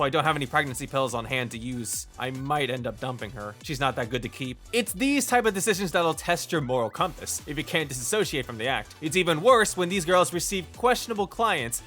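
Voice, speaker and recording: A man's voice: on the high side, bright, forceful tone. A man narrating a scripted video review in a wry, emphatic way. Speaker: visual novel reviewer. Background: music.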